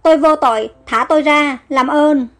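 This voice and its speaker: A woman's voice: high-pitched, moderate pace, soft background music. A woman voicing a young male fisherman who pleads in fear. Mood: pleading.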